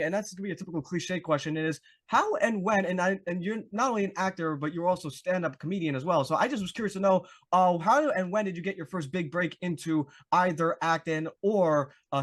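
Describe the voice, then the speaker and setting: A man's voice: high-pitched, fairly quick, few pauses. A man with a New York accent hosting an interview, talking eagerly and gushingly, with lots of "like" fillers. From Brooklyn, New York. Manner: eager, gushing, heavy use of "like". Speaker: podcast host. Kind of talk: casual interview chat.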